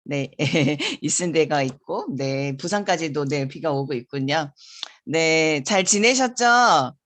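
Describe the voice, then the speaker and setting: A woman's voice: low-pitched, slow pace, no room sound. A woman in her forties giving a motivational seminar talk over a video call, chatty and often laughing between sentences. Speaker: guest lecturer. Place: home in the rain, on a video call.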